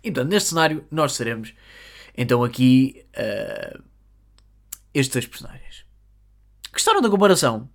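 A podcast host with a European Portuguese accent who delivers a jokey comic monologue. The pitch is lively and moves up and down a lot, with a casual, chatty flow. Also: moderate pace, long pauses. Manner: animated, jokey storytelling. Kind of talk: comedic monologue.

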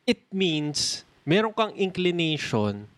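Animated Filipino podcast co-host, dry sound. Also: male voice, sits high, takes it slowly, no room sound. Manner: enthusiastic, mixes English into Tagalog, joking. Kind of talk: casual chat.

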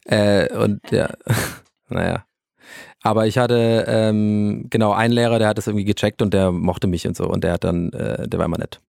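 A man's voice: lowish voice, steady tone, moderate pace, creaky, a little mellow, dry recording, clean studio sound. A young man co-hosting a casual podcast chat, rambling and joking, with lots of restarts. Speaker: podcast co-host.

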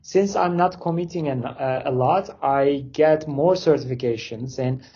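A man's voice: on the high side, unhurried, darkish tone, breathy edge, lo-fi sound. A man from Turkey speaking English, answering interview questions casually with loose phrasing and many fillers. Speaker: interview guest, company founder.

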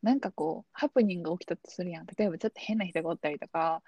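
A woman's voice: lowish voice, racing, warm tone, breathy edge, dry recording, lo-fi sound. A young woman with a Kansai accent, chatting casually and telling anecdotes on a podcast. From Osaka, Japan. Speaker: podcast co-host. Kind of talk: casual chat.

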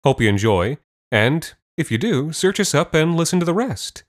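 A man's voice: on the high side, big pitch swings, moderate pace. A man giving a scripted introduction to his audio drama series as its host and performer. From Canada.

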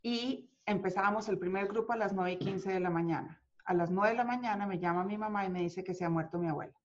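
A woman guest speaking about charisma, emphatic and deliberate, counting off her points. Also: medium pitch. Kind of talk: motivational interview talk. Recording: slightly dull lo-fi sound.

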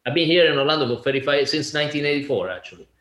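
A man's voice: fairly high pitch, lively intonation, racing, a bit bright. A man around sixty from Italy, a guest talking casually in an interview with lots of laughs and restarts. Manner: chatty, laughing, many fillers and restarts. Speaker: guest, real estate agent. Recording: echoey room.

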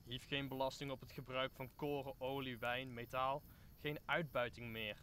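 A man's voice: mid-range voice, little pitch movement, moderate pace, sharp tone, a little hiss or hum, natural voice. A man playing a talkative, optimistic old counsellor who speaks formally in an audio drama. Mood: idealistic, declaiming. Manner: formal, speechifying. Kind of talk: Dutch audio drama acting of Shakespeare.

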